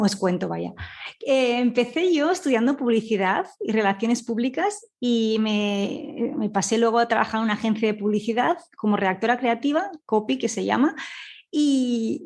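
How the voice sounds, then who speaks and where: A woman's voice: fairly high pitch, normal speed, a little mellow. A woman with a Spanish accent from Spain, telling her story as a guest in a casual, chatty, informal conversational style with colloquial asides. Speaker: guest, audio fiction scriptwriter.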